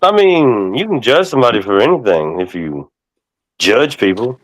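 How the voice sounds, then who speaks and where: A man's voice: medium pitch, very animated, normal speed, poor audio. A man on a talk panel giving a laid-back, blunt opinion. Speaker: guest panelist. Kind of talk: casual chat.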